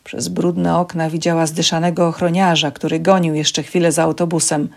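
A woman reading a passage of a novel aloud in measured, steady narration for a library program. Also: deep voice, creaky. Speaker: audiobook reader for a library program.

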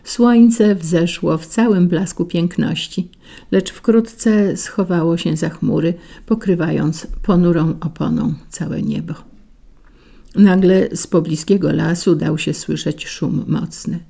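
Low, gravelly woman reading a fairy tale. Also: slow, mellow. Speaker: narrator. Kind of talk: storybook reading.

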